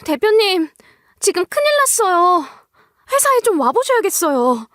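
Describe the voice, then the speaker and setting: A woman's voice: very high-pitched, sing-song, moderate pace, fairly bright tone, dry recording, clean studio sound, pitched above the performer's own voice, heavily acted. A woman voicing a frightened young office employee, frantic and pleading, in an audio story. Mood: panicked.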